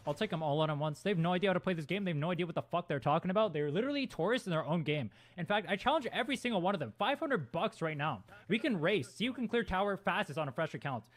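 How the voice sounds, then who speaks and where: A man's voice: sits high, animated, rapid-fire, hardly any pauses. A man streamer in an angry, profane rant, taunting and challenging his critics.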